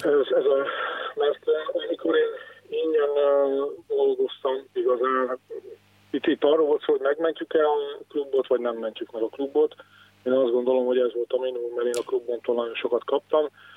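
Long, frequent pauses break up this man's speech. Between them he keeps a moderate pace. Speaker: former footballer and coach. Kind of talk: phone interview. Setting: phone call from a car. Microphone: very bad phone line.

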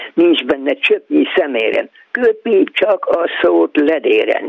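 A man is speaking. His pace is very slow. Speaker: poet. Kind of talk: poetry reading. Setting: phone call.

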